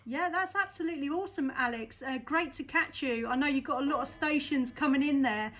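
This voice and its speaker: A woman's voice: sits high, a little fast, a bit bright. Cheerful English woman on CB radio. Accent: southern English. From England. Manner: cheerful, spells out callsign in radio alphabet. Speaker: CB radio operator. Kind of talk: radio contact chat. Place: home radio station.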